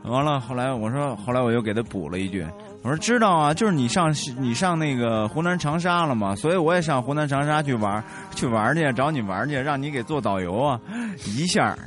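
A man telling a story in casual chat, animated and laughing often, with many restarts. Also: medium pitch, quick pace, few pauses, soft background music.

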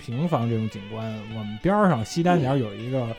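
A man, casually telling a childhood story on a podcast, animated and swearing freely. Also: medium pitch, quick pace, creaky, faint music behind. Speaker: podcast co-host.

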